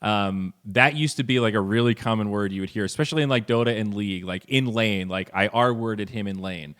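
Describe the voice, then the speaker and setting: Animated man in casual podcast talk. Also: fairly quick, clear, resonant tone. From Finland. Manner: animated, swearing, rising pitch on emphasis. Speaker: podcast guest, esports commentator.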